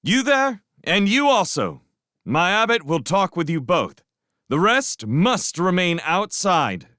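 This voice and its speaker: A man voicing a bold young male mouse warrior who calls out high, ringing commands. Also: very animated, takes it slowly, no echo, clean studio sound, heavily acted. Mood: commanding. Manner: shouted high ringing challenges.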